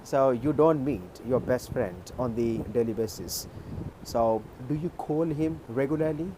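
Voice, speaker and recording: A man from Maharashtra with an Indian accent, a native Urdu speaker, tutoring English on a video call in a measured, explanatory way. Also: mid-range voice, mellow, a little hiss or hum, low-quality recording. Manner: measured, explanatory, checks in with "okay". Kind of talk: conversation practice on a video call.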